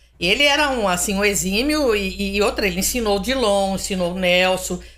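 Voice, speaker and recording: Speech at a fairly quick pace holds a very even loudness with ordinary pitch variation, and room echo is audible. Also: woman, medium pitch for a woman. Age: 60s. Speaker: retired teacher. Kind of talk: interview.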